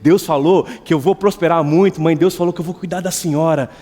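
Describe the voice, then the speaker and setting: A man voicing an eager, excited young boy with a high, pleading voice. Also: quick pace. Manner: breathless, pleading, high and loud. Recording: reverberant church hall, faint guitar.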